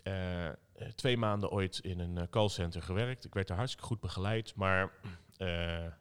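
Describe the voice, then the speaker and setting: A man's voice: low voice, normal speed, clear, resonant tone. A Dutch man, a political candidate, talking in a casual panel with many fillers and restarts.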